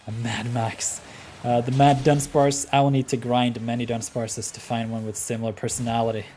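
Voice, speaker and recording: Speaking at normal speed in a mid-range, slightly mellow voice with little pitch movement, a Norwegian-accented man from Norway runs a live game stream. Between plays he chats easily with viewers and reads their messages, often saying um and laughing, while faint music plays in the background.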